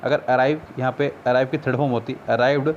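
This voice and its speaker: Recorded through a screen recorder mic, this English exam tutor explains things patiently and reads sentences slowly. He is a Hindi speaker with an Indian accent and a mid-range, fairly even voice, and the muffled audio carries slight background noise.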